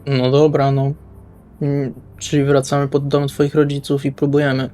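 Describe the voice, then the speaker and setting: A man's voice: medium pitch, monotone, normal speed, warm tone, natural voice. A man playing a blunt, exasperated male vampire in an improvised tabletop roleplay, speaking colloquially and hesitantly, with music behind him. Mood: practical, impatient. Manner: colloquial, swearing, hesitant phrasing.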